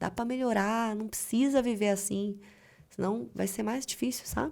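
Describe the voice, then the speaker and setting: A woman's fairly high pitch with fairly even intonation at a moderate pace. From Brazil, Belém do Pará. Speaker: self-knowledge and mental health coach. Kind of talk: podcast interview. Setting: studio.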